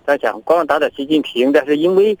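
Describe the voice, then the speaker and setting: Fast talking middle-aged guy from china on a remote link, animated, plays out both sides. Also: a little high, no echo, low-quality recording. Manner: lively storyteller who acts out both sides of arguments. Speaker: interview guest, activist. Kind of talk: recounting events by remote link. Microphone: remote connection.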